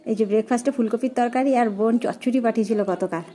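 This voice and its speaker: Woman, home family vlogger; chatty running narration of chores, brisk delivery, mellow, slightly high. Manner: chatty, narrating chores and meals as she goes. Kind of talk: casual home vlog chat.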